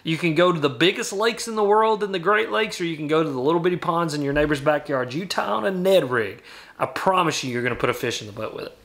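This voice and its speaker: Emphatic young man, bright forceful tone. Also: a little high, fast talker. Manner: animated, emphatic, argues his case. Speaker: guest angler. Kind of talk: casual debate over a video call. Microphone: webcam on a video call.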